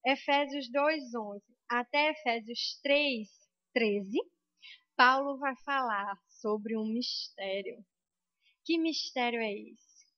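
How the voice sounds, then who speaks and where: A woman's voice: a little high, no room sound, highs cut off. A young Brazilian woman preaching a sermon in a church with a Brazilian Portuguese accent, impassioned and building to emphatic peaks.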